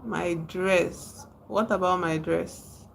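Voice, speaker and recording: A woman's voice: lowish voice, steady tone, slow, creaky, a little hiss or hum. A woman from Nigeria with a Nigerian accent, chatting casually on a livestream, reading out and answering viewers' comments and laughing often.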